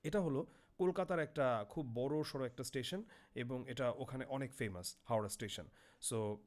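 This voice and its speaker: A man's voice: medium pitch, darkish tone. A young man teaching a literary text, reading a passage aloud and then explaining each word with questions.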